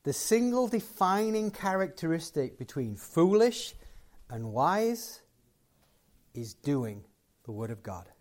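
A man's voice: a little high, big pitch swings, slow pace. A man giving a closing sermon and prayer to a live gathering, conversational and building to emphatic points. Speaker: guest preacher.

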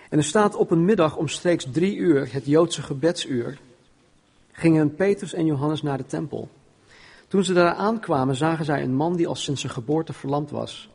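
A man's voice: fairly high pitch, gravelly, a little mellow, husky. A man preaching an informal sermon and reading Bible passages aloud, often stumbling and repeating words as he talks.

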